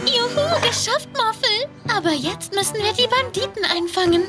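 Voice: very high-pitched, lively intonation, moderate pace. A performer voicing a plucky, earnest little girl in a children's cartoon, exclamatory in manner. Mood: cheerful, determined. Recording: loud music behind.

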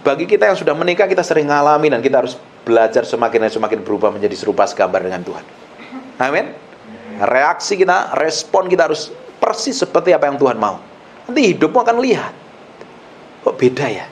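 A male pastor preaching a sermon in an animated way, swinging between loud and hushed and acting out the people he quotes. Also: on the high side, fast talker, a little hiss or hum.

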